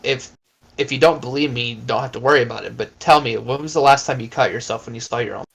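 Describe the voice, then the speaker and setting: A man's voice: mid-range voice, fast talker, vocal fry, a bit bright. Hesitant man at a tabletop game. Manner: hesitant, stammering restarts. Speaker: player. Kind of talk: casual tabletop game talk.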